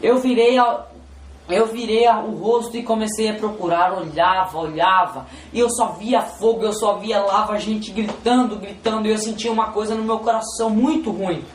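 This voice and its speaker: A man with a high-pitched voice gives a halting religious testimony, repeating himself and constantly addressing "Senhor." The recording sounds roomy, with slight, faint background noise.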